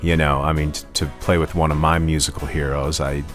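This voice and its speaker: A man's voice: very deep voice, level tone, brisk, soft background music. A man guest in a casual interview, telling stories about his life as a musician, rambling with many restarts and "you know"s.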